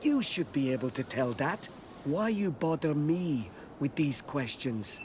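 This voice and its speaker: An actor playing a guarded, curt tribal villager in a video game, with terse, formal, halting phrasing. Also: male voice, fairly high pitch, expressive, darkish tone, slight background noise. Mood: irritated.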